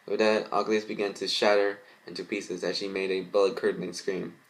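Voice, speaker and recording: A man with a fairly low voice reads a story aloud. He stumbles on words and goes back to repeat them, and gives his own commentary as the reader. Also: level tone, moderate pace, rough recording. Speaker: fan fiction reader.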